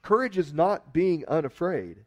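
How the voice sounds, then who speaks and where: Man preaching an expressive sermon. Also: on the high side, measured pace, dull audio. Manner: expressive storytelling, voices quotes dramatically, emphatic swells. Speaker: pastor.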